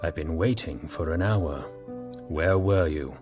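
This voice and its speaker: A man's voice: low voice, a little slow, a little mellow. An actor playing a stern, brusque king who issues orders coldly. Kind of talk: audio drama acting. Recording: music bed behind.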